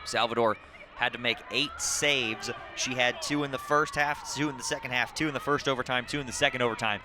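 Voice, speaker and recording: A man calls a soccer match live for television in a mid-range voice, with clearly audible crowd and outdoor noise around him. His delivery moves between short, clipped calls of the play and steady recaps of results and numbers. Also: mid-range voice, fairly quick. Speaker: play-by-play sports commentator. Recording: clearly noisy outdoor broadcast with crowd ambience. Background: crowd and outdoor ambient noise.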